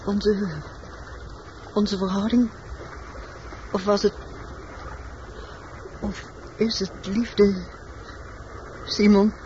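An actress in a Dutch radio play playing a troubled, searching lover, questioning and hesitant. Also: female voice, mid-range voice, level tone, drawn-out words, long pauses, warm tone. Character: troubled, searching woman lover confronting her man. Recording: dull, noisy old radio drama recording.

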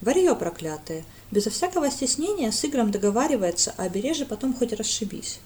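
A woman voicing a grumpy young male guard who speaks gruffly and sarcastically. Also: on the high side, big pitch swings, fairly quick, darkish tone.

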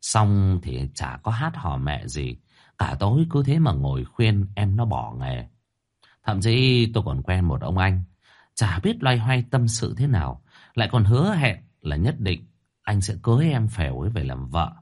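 A man reading a first-person story aloud with expressive, dramatic delivery. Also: deep voice, measured pace.

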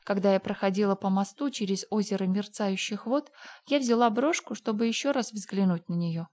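A woman's voice: mid-range voice, moderate pace, a little mellow, close to an everyday voice. An actress playing Anne, a dreamy, dramatic orphan girl of about eleven, with emotional, theatrical pleading. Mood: dreamy confession.

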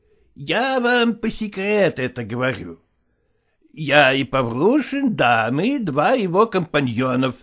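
A man's voice: high voice, pitched above the performer's own voice, exaggerated voice. A man voicing an evasive, fussy male theatre partner who speaks broken Russian with a Yiddish-flavoured accent. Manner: drawn-out, wheedling, broken grammar. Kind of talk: audiobook character voice.

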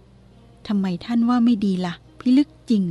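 A woman voicing a haughty noblewoman who scolds in a shrill, indignant voice. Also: measured pace, warm tone, slightly rough, muffled recording. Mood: puzzled.

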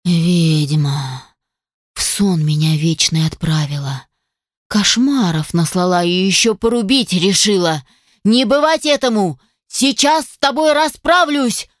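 A man's voice: high voice, measured pace, dry recording, studio quality. A woman voicing a furious, paranoid male spirit with white hair who growls and snarls threats, in an audiobook reading. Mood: growling furious.

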